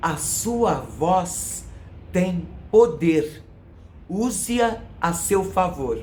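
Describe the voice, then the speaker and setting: A woman's voice with audible room echo. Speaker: YouTuber. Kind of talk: personal testimony to camera. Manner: emotional, conversational.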